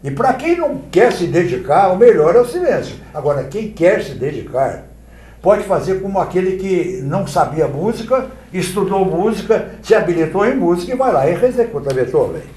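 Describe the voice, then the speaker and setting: Man, from Brazil, TV talk show guest, theatrical oratory, animated pitch, echoey studio. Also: moderate pace. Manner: expressive, theatrical speaker.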